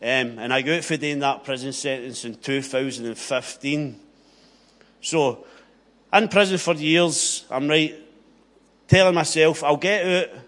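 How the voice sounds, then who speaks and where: A man's voice: mid-range voice, measured pace, pauses often, a bit bright. A middle-aged man with a broad west of Scotland accent gives a personal Christian testimony, earnest and plain-spoken, repeating phrases for emphasis. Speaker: speaker giving personal testimony.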